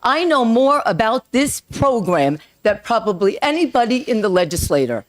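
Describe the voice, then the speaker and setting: Animated, emotional retired woman testifying. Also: a little high, moderate pace. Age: older. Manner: emotional, insistent. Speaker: public testifier. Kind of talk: public testimony at a hearing.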